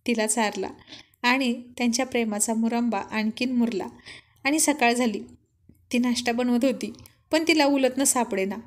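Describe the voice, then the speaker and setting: Woman reading a romance story, fairly high voice. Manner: expressive, lively storytelling. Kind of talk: narrating a romance story serial.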